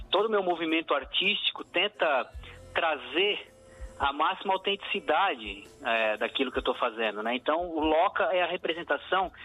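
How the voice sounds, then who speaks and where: Bright-voiced southern Brazilian man. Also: a little high, poor audio. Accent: southern Brazilian Portuguese. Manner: reflective, many fillers and restarts. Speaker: musician guest. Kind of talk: radio interview answers.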